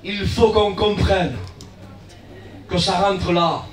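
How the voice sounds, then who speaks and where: Male pastor, very high pitch, heard from a distance in a roomy church, animated preacher. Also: takes it slowly, soft background music. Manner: acts out dialogues, shouts key lines, drops to low asides. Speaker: guest pastor. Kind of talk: lively evangelistic sermon. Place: church hall. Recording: echoey church from far off.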